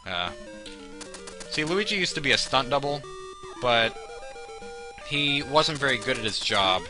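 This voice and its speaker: A man's voice: mid-range voice, sing-song, unhurried, over music. A man giving humorous commentary on a video game in a wry, sarcastic manner with exaggerated reactions. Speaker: let's play host.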